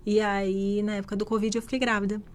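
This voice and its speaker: A woman speaks at a mid pitch as a physician guest on a radio show. She explains things steadily and conversationally, in a radio studio. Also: level tone, quick pace. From Rio de Janeiro, Brazil. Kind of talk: radio interview answers.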